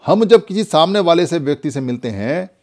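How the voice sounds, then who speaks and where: A man's voice: fairly high pitch, expressive, brisk, mellow. Preachy male Buddhist teacher. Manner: preachy, repetitive, rhetorical questions. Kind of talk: spoken lesson.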